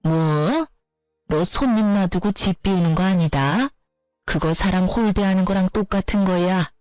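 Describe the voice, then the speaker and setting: A woman voicing a scornful, bullying older mother-in-law who scolds and insults her daughter-in-law in a lower, slower voice. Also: darkish tone, smooth, no room sound, soft background music, natural voice.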